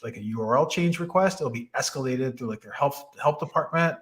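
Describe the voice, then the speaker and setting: A man's voice: medium pitch, fairly quick. A man hosting a podcast, chatting casually with a guest, with lots of fillers and restarts. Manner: conversational, many fillers and restarts. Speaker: podcast host. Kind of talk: casual interview chat.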